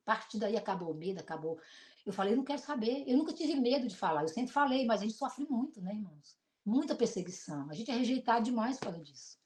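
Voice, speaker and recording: A middle-aged woman pastor with a Brazilian accent and a deep voice, preaching an emotional sermon built on personal testimony. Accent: Brazilian Portuguese. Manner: emotional, animated storytelling with shifts between loud and soft.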